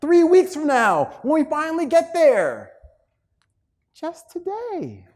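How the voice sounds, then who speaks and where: A man giving a motivational keynote to an audience, telling stories in an animated, emphatic way and acting out dialogue. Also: very high-pitched, slow pace. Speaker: keynote speaker. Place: live talk before an audience.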